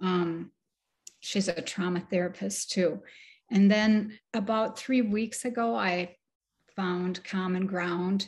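Against a quiet background, a woman speaks at a very slow pace. Her voice is somewhat breathy. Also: ordinary pitch variation. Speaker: participant. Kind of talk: sharing comments; personal sharing in a discussion. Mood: calm, earnest. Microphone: earbuds.

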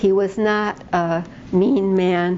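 Monotone, flat intonation from a woman, with noticeable background noise. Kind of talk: testimony.

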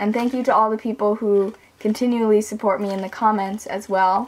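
A woman speaks in a monotone, with flat intonation throughout. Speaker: vlogger. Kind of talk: casual vlog chat. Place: home room. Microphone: phone near.

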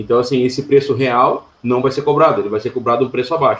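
A man's voice with audible room echo. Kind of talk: interview answer. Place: home room. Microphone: earbuds.

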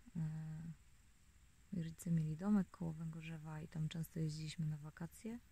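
A somewhat breathy, dark, mellow voice in monotone, flat intonation, with a dry sound and no echo. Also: woman. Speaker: vlogger. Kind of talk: casual reflective vlog talk. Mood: emotional, reflective. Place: open country. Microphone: phone near.

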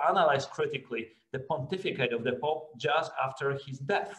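A man talks at a moderate pace with a Polish accent. The background is quiet. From Poland. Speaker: theology school president, interviewer. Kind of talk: interview. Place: home room. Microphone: video call.

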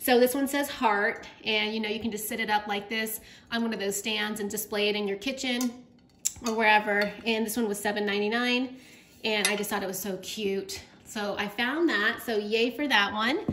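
Noticeable background noise sits behind a woman talking at a moderate pace with fairly even intonation. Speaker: crafting channel host. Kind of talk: casual haul vlog chat. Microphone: phone near.

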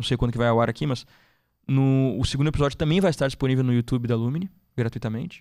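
Speech at a very fast pace comes in a dark, mellow tone. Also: man, medium pitch for a man, ordinary pitch variation. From southern Brazil, Rio Grande do Sul (São Leopoldo). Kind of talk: casual interview chat.

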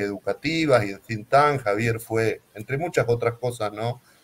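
Somewhat breathy, a man talks at a moderate pace. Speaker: host of the event. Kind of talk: introduction of a guest. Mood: warm, admiring. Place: home room. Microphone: video call.

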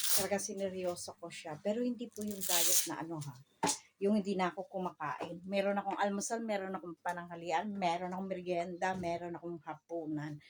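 A woman with a normal speaking voice talks at a medium pitch and moderate pace, with ordinary pitch variation. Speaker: vlogger. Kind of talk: casual vlog narration.

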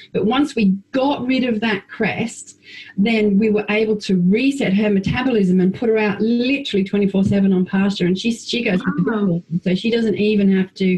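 With an Australian accent, a woman speaks at a medium pitch and a moderate pace. Her loudness stays very even, and her intonation is fairly even. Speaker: equine vet professor; guest. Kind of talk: interview. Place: home room. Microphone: video call.

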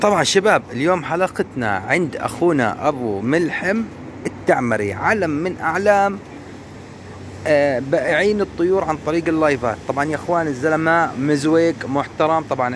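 A man talks at a fairly slow pace. The sound is dry with no echo, over light background noise. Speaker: pigeon-keeping vlogger. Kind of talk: casual vlog chat. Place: open country. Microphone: phone near.

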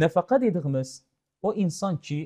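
Very wide pitch swings mark a man's fairly slow delivery. The background is quiet. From Iraq. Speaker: lawyer and TV legal show host; lawyer, TV legal show host. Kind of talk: educational legal talk show with call-ins. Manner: halting, many filler pauses. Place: studio. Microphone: lapel.

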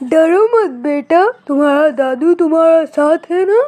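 In a cartoonish character voice, a woman speaks at an extremely high pitch. Her pace is moderate. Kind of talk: storytelling dialogue. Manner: gentle, warning, reassuring.

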